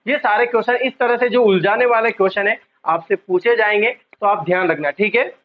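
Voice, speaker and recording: High-voiced man teaching exam prep. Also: phone-quality sound. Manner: repeats key terms, quizzes the class often; drawn-out emphasis on key words. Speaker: psychology teacher. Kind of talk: online exam-prep lecture.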